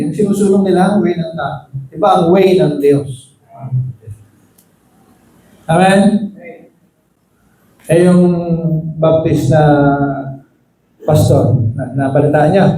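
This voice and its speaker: A male preacher delivering a sermon, calling out to the congregation for amens and swinging between loud, high exclamations and low, quiet asides. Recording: echoey room with faint ambient noise.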